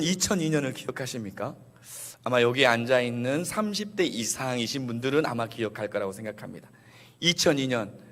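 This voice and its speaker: A male pastor preaching a Sunday sermon in an animated way, acting out the quotes he tells. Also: mid-range voice. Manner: animated, acts out quotes with shifting voices. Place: church sanctuary. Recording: long church reverb.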